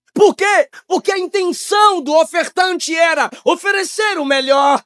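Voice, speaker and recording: A man from Brazil preaching a Pentecostal sermon, shouting in high bursts and then dropping to low, quiet tones. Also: no room sound, clean studio sound.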